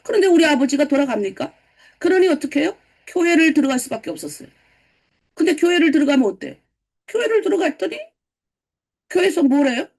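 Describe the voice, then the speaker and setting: A middle-aged woman pastor from North Korea with a North Korean accent, giving a lively morning sermon and putting questions to her congregation. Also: high-pitched, fast talker, pauses often. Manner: lively, asks the congregation questions and answers them. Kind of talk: early-morning sermon lecture.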